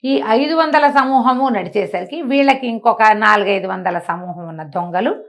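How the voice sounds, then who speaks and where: A woman's voice: medium pitch, normal speed. A woman telling a children's story aloud in a conversational way, explaining with asides and rhetorical questions. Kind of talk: oral moral storytelling for children, acting out dialogue.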